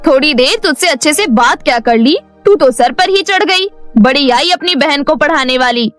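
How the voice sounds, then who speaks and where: Cruel cartoon stepmother, played by a woman, high voice, harsh and scolding. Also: animated, moderate pace, a bit bright, soft background music. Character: cruel shrill stepmother, middle-aged woman. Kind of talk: cartoon voice acting.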